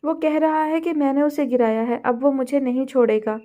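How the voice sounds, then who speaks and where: A woman voicing a feisty, quarrelsome teenage girl in a storybook reading, with bickering, quick retorts. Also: high-pitched, steady tone, mellow, natural voice.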